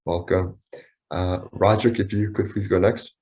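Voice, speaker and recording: A man's voice: deep voice, steady tone, moderate pace, darkish tone. A man moderating an online meeting, politely calling on each speaker in turn over a video call. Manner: polite, formal requests. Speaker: webinar moderator.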